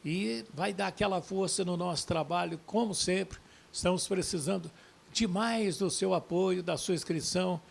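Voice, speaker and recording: High-pitched, gravelly Rio man hosting football news. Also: normal speed, slight background noise. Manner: folksy, addresses viewers directly. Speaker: sports YouTube host. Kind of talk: football news commentary to viewers.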